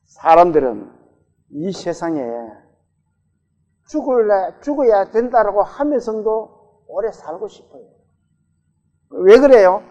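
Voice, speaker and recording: Lively pastor preaching. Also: male voice, high voice, slow pace, long pauses. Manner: conversational, asks the congregation questions. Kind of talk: sermon. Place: church sanctuary. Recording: dull, reverberant church recording.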